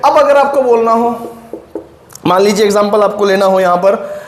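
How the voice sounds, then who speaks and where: A man teaching English grammar in a classroom with an Indian accent. He explains slowly and keeps checking in with his students. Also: high-pitched. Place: classroom with a whiteboard. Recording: echoey room with faint noise.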